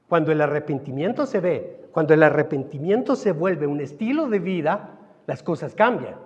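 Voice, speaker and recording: A man with a Colombian Spanish accent preaching a sermon as pastor, stretching some words slowly and then rising in sudden emphasis. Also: high-pitched, a little mellow. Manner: preaching with dramatic slowdowns and sudden rises. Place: church hall. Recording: dull recording in a reverberant hall.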